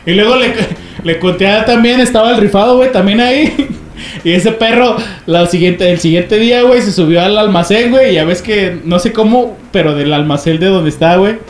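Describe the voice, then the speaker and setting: A young man with a Mexican accent, co-hosting a podcast and telling a story in a lively, slangy way, acting out what others said. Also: high-pitched, brisk. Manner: animated, slangy, laughing, acts out others' lines. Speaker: podcast co-host. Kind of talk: casual storytelling among friends. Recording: echoey room, faint background noise.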